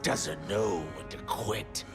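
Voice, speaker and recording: A gravelly, slow-booming brute emperor in a game, over loud timpani music. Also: male voice. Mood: menacing. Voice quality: gravelly, deep and growling. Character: brutal tyrant emperor, huge and menacing. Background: loud dramatic music with timpani.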